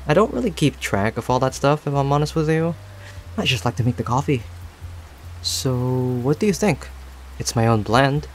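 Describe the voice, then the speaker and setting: A man playing a friendly, talkative cafe owner in a roleplay audio, speaking to the listener in a chatty, rambling, gently attentive way. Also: mid-range voice, expressive, normal speed, slight background noise, natural voice. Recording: soft music and rain behind. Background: music and rain sounds.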